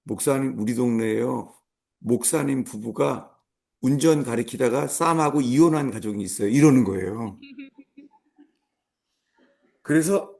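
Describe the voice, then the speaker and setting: Gravelly-voiced man preaching with comic stories. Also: medium pitch, unhurried, long pauses. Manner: storytelling with comic asides, acting out shouted commands. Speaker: pastor. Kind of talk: sermon.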